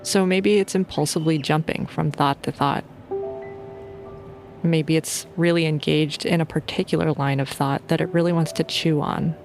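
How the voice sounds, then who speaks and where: A woman's voice: sits low, steady tone, normal speed, faint music behind. A woman leading a guided sleep meditation in an informal, playful and soothing way.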